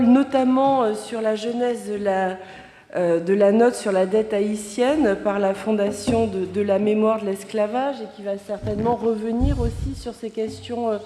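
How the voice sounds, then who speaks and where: Woman moderator, soft mellow tone, lots of euh, echoey hall. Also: mid-range voice. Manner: hesitant, many filler sounds. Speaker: panel moderator. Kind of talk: moderating a round table. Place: lecture hall. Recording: long hall reverb.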